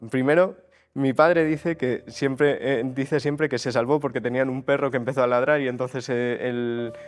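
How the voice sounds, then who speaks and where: A man's voice: medium pitch, fairly even intonation, moderate pace. A man in his twenties from Spain's Basque Country, giving a testimony in an interview and often stopping to restart his words. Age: 20s. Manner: hesitant, many restarts and fillers.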